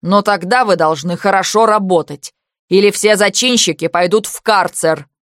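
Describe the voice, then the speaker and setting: A woman voicing a brusque older German camp foreman, speaking in a loud, slow, grumbling way. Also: mid-range voice, no echo, studio quality, lightly acted. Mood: grudging.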